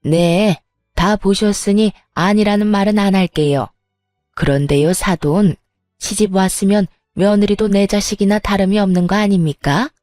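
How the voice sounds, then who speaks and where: A woman's voice: medium pitch, fairly even intonation, moderate pace, darkish tone, dry recording, clean studio sound, faint music behind, close to an everyday voice. A woman voicing a furious, spiteful older mother-in-law who berates and sneers, in a dramatized story reading. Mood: sarcastic.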